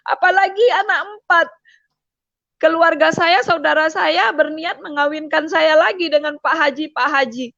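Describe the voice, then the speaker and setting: A middle-aged woman giving an emotional personal testimony, repeating herself and pausing with hesitations. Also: high voice, creaky, a bit bright, no room sound, dull audio. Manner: emotional, repetitive storytelling with frequent hesitations. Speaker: testimony speaker.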